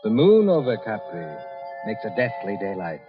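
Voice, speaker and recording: Somber radio suspense narrator over music. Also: male voice, fairly low pitch, big pitch swings, normal speed. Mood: somber, eerie. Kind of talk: scripted old-time radio narration. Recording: muffled old radio recording.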